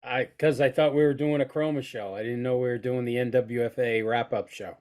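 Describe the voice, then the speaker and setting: A man's voice: medium pitch, fairly even intonation, brisk, darkish tone. A man co-hosting a casual podcast, congested from a heavy cold, teasing his partner with dry humor. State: has a cold. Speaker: co-host, trainer.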